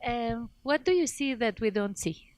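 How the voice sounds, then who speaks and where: A woman's voice: a little high, animated, moderate pace, darkish tone. A woman interviewing a guest in English, hesitant, with many fillers and restarts. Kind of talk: interview questions.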